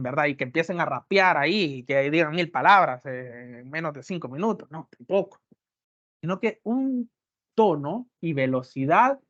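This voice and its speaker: A man's voice: on the high side, no room sound. A man lecturing a class on courtroom speaking, emphatic, with many rhetorical questions. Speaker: law lecturer. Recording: dull muffled dry sound.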